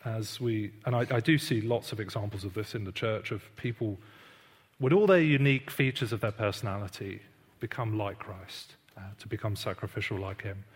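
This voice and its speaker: A man's voice: lowish voice, moderate pace, slightly rough. A man giving a conversational church teaching talk, self-deprecating and full of fillers. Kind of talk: sermon-style teaching talk. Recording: long hall reverb.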